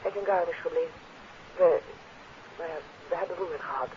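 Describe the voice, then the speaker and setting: An actress playing an agitated countess who pleads urgently in a halting, breathless way, in a 1950s radio drama. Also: female voice, fairly low pitch, a little hiss or hum, natural voice. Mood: agitated, pleading. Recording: muffled lo-fi 1950s radio recording, murmur behind.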